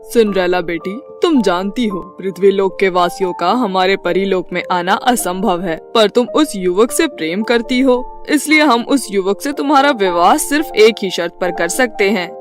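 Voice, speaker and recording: A woman's voice: mid-range voice, normal speed, hardly any pauses, over music, lightly acted. Firm fairy father played by a woman. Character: stern but fair fairy father.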